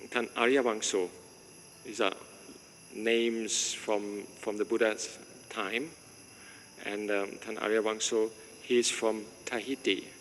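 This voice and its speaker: This man's fairly low, fairly bright voice comes with a little hiss or hum. He's a monk receiving visitors at his monastery, talking casually, asking questions, joking and chuckling often, in a reverberant space with faint ambience.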